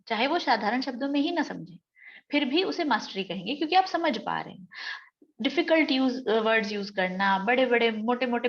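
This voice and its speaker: A woman with an Indian English accent teaches an exam-prep lecture, explaining each point step by step. Her voice sits a little high. The recording is slightly dull and lo-fi. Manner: explains step by step, reads sentences out slowly.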